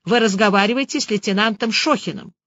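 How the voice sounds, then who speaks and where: A woman's voice: medium pitch, fast, a bit bright, no echo, dull audio, close to an everyday voice. A woman reading an audiobook, voicing a curt, commanding male police lieutenant who speaks drily. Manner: dry, commanding.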